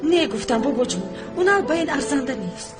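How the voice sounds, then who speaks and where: An actress with a Tajik accent playing a hurt, ashamed young daughter in a dubbed drama. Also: female voice, high-pitched, sing-song, music in the background. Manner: hurt, reluctant. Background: loud background score.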